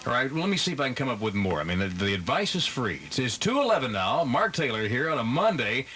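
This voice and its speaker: A man's voice: mid-range voice, sing-song, fast, music in the background. An American man hosting afternoon radio, bantering in a playful, wry comic way. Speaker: radio DJ host. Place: radio studio. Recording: hissy 1980s radio aircheck tape.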